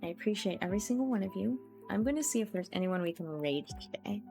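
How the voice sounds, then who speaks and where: A woman's voice: mid-range voice, lively intonation, quick pace, vocal fry. Woman livestreamer chatting casually over music. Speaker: livestreamer host. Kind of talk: casual chat to livestream viewers.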